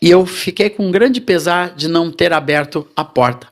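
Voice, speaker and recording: A middle-aged Brazilian man telling his conversion testimony in a sermon, animated and addressing the congregation as brothers. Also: on the high side, normal speed. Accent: Brazilian Portuguese. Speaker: preacher giving testimony.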